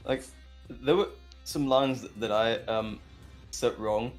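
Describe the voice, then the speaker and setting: A man's voice: medium pitch, slow, faint music behind. A man from Belgium with a Flemish accent, a Dutch speaker, chatting casually and self-deprecatingly as a cast guest. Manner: self-deprecating, apologetic, joking. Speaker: voice actor guest. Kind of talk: casual chat.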